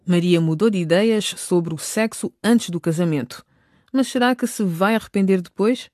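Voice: mid-range voice, moderate pace, a little mellow, no echo, clean studio sound. A narrator presenting a scripted radio drama and recapping the story.

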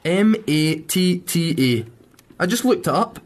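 A woman's voice: fairly low pitch, measured pace. A woman playing a pedantic, curious schoolboy with a British accent in a children's radio drama. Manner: pedantic, matter-of-fact.

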